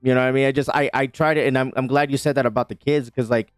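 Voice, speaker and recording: Smooth-voiced man in loose podcast chat. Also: mid-range voice, steady tone, rapid-fire, dry recording, faint music behind. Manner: loose and rambling, with frequent swearing and "you know what I mean". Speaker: podcast co-host; father and husband.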